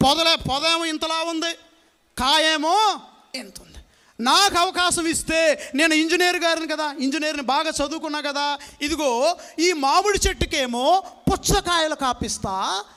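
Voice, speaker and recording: A priest playing a boastful, educated male engineer who scoffs at God's design, in a lower voice than his own. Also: sharp tone, full character voice. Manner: scornful, mocking God's design.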